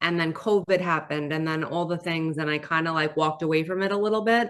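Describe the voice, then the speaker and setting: A woman with a strong New York accent speaks at a fairly quick pace in a bright, sharp tone, her fairly low pitch held in fairly even intonation against a quiet background. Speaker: hair stylist and online content creator. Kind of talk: webinar interview. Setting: online webinar.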